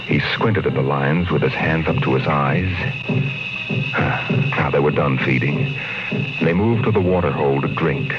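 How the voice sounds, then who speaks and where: A man's voice: very deep voice, normal speed, long pauses, low-quality recording. A man narrating and hosting a 1950s radio drama in a solemn, portentous manner, on an old recording with music behind. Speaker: host and narrator.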